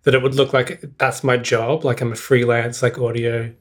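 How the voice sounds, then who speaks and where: Young guy on a podcast, dry self-mocking humor, keeps chuckling, average pitch. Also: flat delivery, normal speed. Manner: wry, self-mocking, laughs often. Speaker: podcast co-host. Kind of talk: casual chat.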